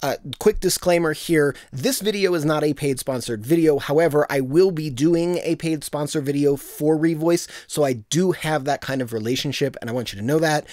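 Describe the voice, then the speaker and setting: A man with a bit of gravel in his voice, teaching vocal production in a casual, self-deprecating tutorial on a studio microphone. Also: on the high side, moderate pace, hardly any pauses, dry recording. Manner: relaxed, self-deprecating explainer.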